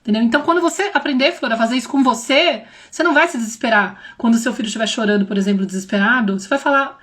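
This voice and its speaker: A young woman with a high, bright-toned voice gives a casual livestream talk as a parenting mentor. Her São slips in often, and she talks straight to her viewers with lively, animated delivery. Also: very fast. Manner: animated, addresses viewers directly, acts out quoted voices.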